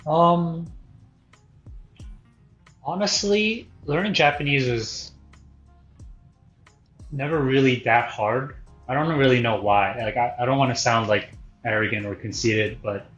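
A man's voice: mid-range voice, unhurried, long pauses, a bit bright. A man from Korea who moved to the US young, a native Korean speaker, chatting informally as a podcast guest and explaining with examples. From born in Korea, moved to the US young. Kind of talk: casual podcast conversation. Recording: roomy echo, dull lo-fi sound, faint music.

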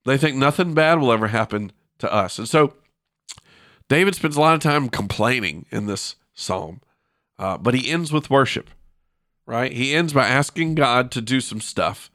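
A man's voice: medium pitch, lively intonation, moderate pace, fairly bright tone, no room sound, studio quality. Man with a congested, pinched-nose nasal voice. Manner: informal, self-deprecating, folksy. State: blocked sinuses. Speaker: Christian podcast host. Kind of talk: casual devotional podcast talk. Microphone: close podcast microphone.

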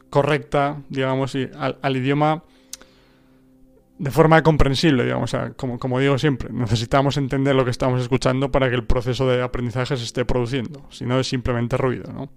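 A man's voice: medium pitch, a little mellow, clear, resonant tone. A man whose first language is Spanish, hosting a podcast on language learning and talking through his ideas with frequent restarts and rhetorical checks to the listener. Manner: thoughtful, full of restarts and rhetorical "¿no?" tags. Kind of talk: casual spoken monologue.

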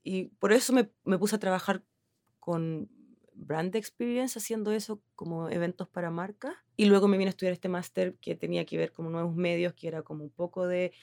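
A woman's voice: fairly low pitch, steady tone, fairly quick, creaky, darkish tone, dry recording, clean studio sound. A Chilean woman in her thirties with a Chilean accent, answering interview questions in a rambling, casual way with lots of fillers. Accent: Chilean Spanish. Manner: rambling, many fillers and restarts, laughs easily. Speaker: designer, interview guest.

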